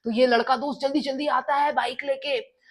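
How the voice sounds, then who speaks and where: A young woman vlogger telling a personal story in a chatty, expressive way, slipping English phrases into her talk. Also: sits high, fairly quick. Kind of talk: casual storytelling.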